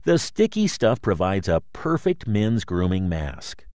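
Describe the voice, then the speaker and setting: A man reading a scripted promotional explainer as a voice-over, in a polished, measured announcer's manner. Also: deep voice, wildly swooping pitch, a little mellow, dry recording, studio quality. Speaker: voice-over narrator.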